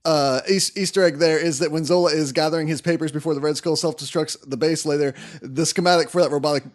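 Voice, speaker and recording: High-voiced man in casual film chat. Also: steady tone, quick pace. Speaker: podcast co-host.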